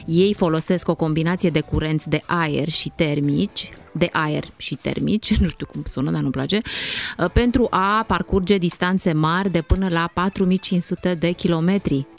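Gravelly-voiced woman radio host. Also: on the low side. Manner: chatty, laughs easily. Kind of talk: casual studio chat. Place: radio studio.

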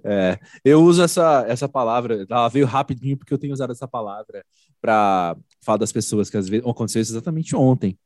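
A man's voice: medium pitch, fast, no echo. A man in his thirties hosts a casual chat and tells stories with chatty energy. His voice is recorded dry and close, with no room sound. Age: 30s. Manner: chatty, animated storyteller with voiced impressions. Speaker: interviewer host.

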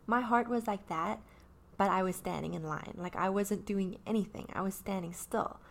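A woman's voice: medium pitch, normal speed, gravelly. A woman in her early thirties talking candidly about her own anxiety, rambling with many fillers and restarts. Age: 30s. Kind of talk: personal talk about anxiety.

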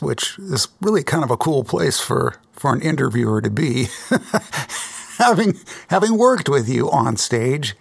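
Lively gravelly-voiced male podcast host. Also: fairly high pitch, no room sound. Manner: enthusiastic, admiring interviewer. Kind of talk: casual interview.

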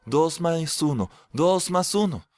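A man's voice: a little high, animated, slow pace, a little mellow, dry recording, voice pushed up. A man doing a frantic sleepless guy. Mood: distressed. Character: anxious sleepless man complaining to friend.

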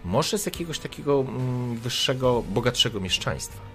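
A man's voice: medium pitch, animated, moderate pace, a bit bright, soft background music. A man running a tabletop role-playing game as game master, narrating with lots of hesitant fillers.

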